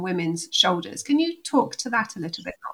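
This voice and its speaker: In a very clean recording with a silent background, a woman talks at a fairly quick pace. She has a normal speaking voice at medium pitch. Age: 40s. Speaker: leadership coach and podcast host. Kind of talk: scripted narration; interview.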